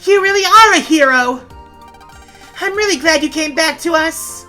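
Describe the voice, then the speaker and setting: A woman voicing an excitable, big-hearted young friend in a game story, with a gushing, emotional, high-energy delivery. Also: moderate pace, soft background music, exaggerated voice. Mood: overjoyed.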